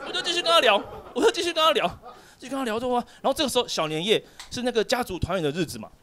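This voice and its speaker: A young male stand-up comedian with a fairly high voice works a club crowd. He tells a long story and jumps into other people's voices as he goes. His delivery stays lively and animated throughout. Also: rapid-fire. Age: young adult. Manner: animated storyteller, acts out characters in shifting voices.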